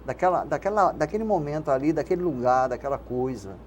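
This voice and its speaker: This guest is a radio station manager and poet, an older Carioca man from Rio de Janeiro chatting casually in an interview. His mellow, fairly high voice is fast with lively intonation, reflective and rambling, full of "né?" tags. Faint background noise is audible.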